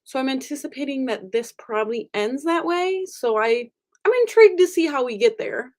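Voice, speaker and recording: A young woman chatting casually on camera, her voice sitting a little high. She rambles, backtracks and fills gaps with "like" and "um", and sounds easygoing and unscripted. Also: expressive, moderate pace, a little mellow. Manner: chatty, rambling, frequent fillers. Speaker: book vlogger. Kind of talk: casual chat. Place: home room with angled ceiling.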